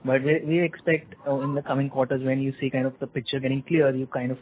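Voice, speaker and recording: A thin phone connection carries a fast-talking man. He is an analyst on an earnings call, polite and conversational, with a mid-range voice. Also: medium pitch, little pitch movement. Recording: faint, thin phone line.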